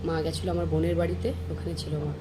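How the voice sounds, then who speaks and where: A woman chatting to viewers in a casual daily vlog, speaking softly because of a sore throat. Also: low voice, little pitch movement, racing. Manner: chatty, addresses viewers directly. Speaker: vlogger. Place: home and outdoors, moving around. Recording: noisy phone recording.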